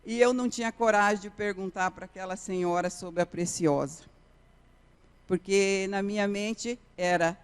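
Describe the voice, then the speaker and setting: A woman's voice: medium pitch, normal speed, clean tone. A woman, a missionary telling an earnest testimony in a sermon, often repeating key phrases. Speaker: missionary preacher. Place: church sanctuary. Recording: reverberant church hall.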